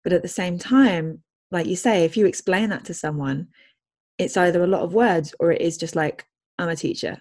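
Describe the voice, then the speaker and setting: A woman's voice: on the low side, moderate pace, a little mellow. A woman who works as a language consultant, hosting a casual interview and thinking aloud in a friendly way. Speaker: language consultant and podcast host.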